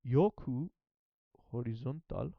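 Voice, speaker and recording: A man's voice: mid-range voice, expressive, slow, gravelly, no echo, muffled recording. A man who is not a native Japanese speaker, thinking aloud and repeating phrases as he works through them in a casual study vlog. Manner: hesitant, repeats phrases while translating. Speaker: language learner.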